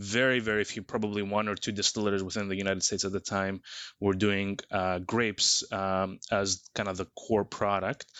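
A man speaks with a Greek accent in a monotone, flat intonation. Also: fairly low pitch for a man, moderate pace. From Greece. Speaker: distillery and winery owner. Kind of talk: interview.

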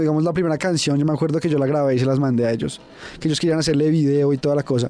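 Noticeable background noise sits behind a man talking at a very fast pace. His pitch is fairly high and his intonation fairly even. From Colombia, Chía (Cundinamarca). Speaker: rapper and university student. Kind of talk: casual interview. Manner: hesitant, many fillers.

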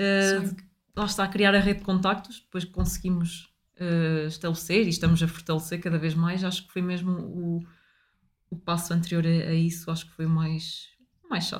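Somewhat breathy and flat in intonation, the voice moves at a moderate pace with big swings in loudness. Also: woman, fairly low pitch for a woman. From Portugal, Chaves (Trás-os-Montes). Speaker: ceramic artist. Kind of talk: casual interview. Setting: pottery studio.

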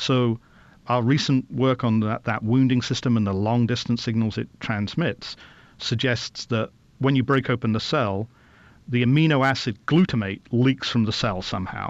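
A man's ordinary speaking voice, medium in pitch, with ordinary pitch variation and a moderate pace. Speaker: botany professor. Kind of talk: interview explaining research.

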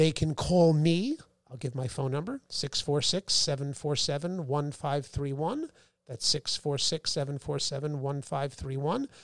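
A man with an American accent, a normal speaking voice, fairly high in pitch, fairly slow and fairly even in intonation, with a dry, close sound and no echo. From New York, Westchester. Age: 50s. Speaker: mental health organization staff member. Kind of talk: casual chat. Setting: studio, in person.

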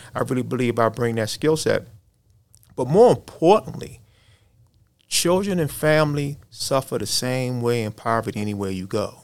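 A man with an American accent and a normal speaking voice, medium in pitch, with lively intonation at a moderate pace. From US, Baltimore, Maryland. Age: 50s. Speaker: nonprofit executive. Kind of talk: interview.

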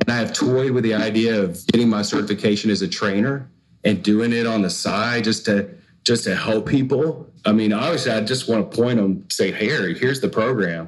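This man has a normal speaking voice, keeping a moderate pace and ordinary pitch variation. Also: medium pitch for a man. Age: 40s. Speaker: worship pastor and musician. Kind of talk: interview testimony.

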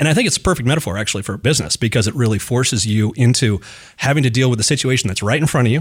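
A man with an American accent speaks at a very fast pace. He sounds somewhat breathy, with ordinary pitch variation. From Nevada, Reno. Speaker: tech company CEO. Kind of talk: interview. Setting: studio.

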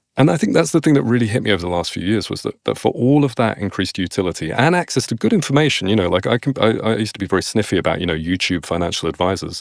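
Speaking at a very fast pace with hardly any pauses, a man with an English accent has a fairly low pitch that swings very widely. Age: 40s. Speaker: fintech founder. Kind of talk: panel interview.

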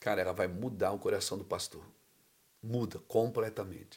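With a Brazilian accent, a man talks at a fairly low pitch and with ordinary pitch variation. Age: 50s. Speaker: pastor. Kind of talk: casual chat.

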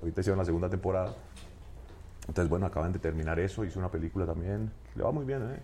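A man speaks at a very fast pace with a very deep, low pitch, vocal fry and a dark, mellow tone. His intonation is lively, broken by long, frequent pauses. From Colombia, Bogotá. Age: 30s. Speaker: actor. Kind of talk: casual chat.

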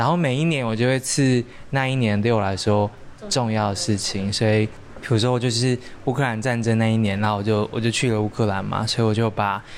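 In an ordinary speaking voice, a man talks at a fairly quick pace with medium pitch, very even loudness and fairly even intonation. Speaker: podcast host. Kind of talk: casual interview chat; scripted narration. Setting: in a car.

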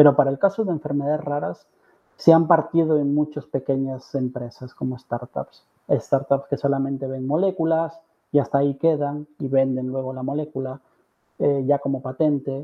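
Here a man talks at a moderate pace with a fairly high pitch. His intonation stays fairly even. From Peru, Trujillo. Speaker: pharmacist. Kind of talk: interview. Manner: halting.

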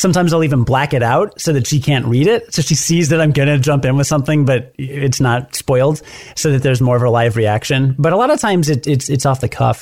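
At a very fast pace, a man speaks in a fairly high, somewhat breathy voice. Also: ordinary pitch variation, very even loudness. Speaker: podcast co-host, former radio host. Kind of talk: casual interview.

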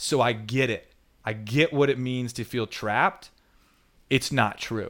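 A man speaks fairly slowly, his pitch medium with ordinary variation. It is a plain, everyday voice. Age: 30s. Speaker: weight loss success story. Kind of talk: casual chat.

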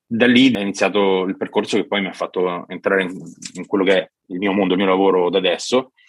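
A man with a very deep, low pitch talks at a very fast pace with fairly even intonation. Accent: strong Roman. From Rome, Italy. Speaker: wine importer and distributor. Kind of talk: interview.

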